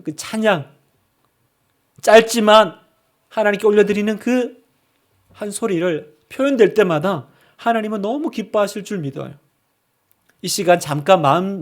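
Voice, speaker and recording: High-voiced Korean pastor preaching warmly. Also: male voice. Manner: conversational preaching that acts out sample prayers. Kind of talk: sermon.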